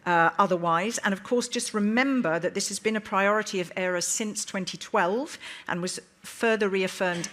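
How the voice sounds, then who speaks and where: A woman's voice: medium pitch, a bit bright. A woman moderating a live conference panel in a chatty, emphatic, bantering way, addressing guests and audience informally.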